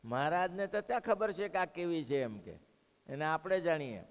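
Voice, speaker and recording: A male preacher telling devotional stories in a lively way, rising to loud exclamations and then dropping to hushed asides. His voice sits somewhat high, and a long reverb carries through the large hall. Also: normal speed. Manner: animated, shifting between loud exclamations and hushed quotes. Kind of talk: devotional sermon storytelling.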